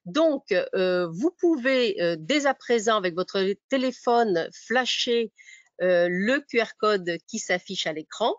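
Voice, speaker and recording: A woman moderates an online webinar and walks the audience through instructions. She halts often and fills the pauses. The audio is dry and dull, with no room sound, as from a computer microphone. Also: medium pitch, animated, dry recording. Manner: halting, many fillers. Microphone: computer mic on a video call.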